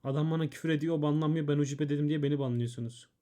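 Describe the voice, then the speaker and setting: A man's voice: on the high side, fairly even intonation, rapid-fire, mellow. Blunt, foul-mouthed male streamer. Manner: blunt and swearing, reading chat messages aloud. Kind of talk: casual profane stream commentary.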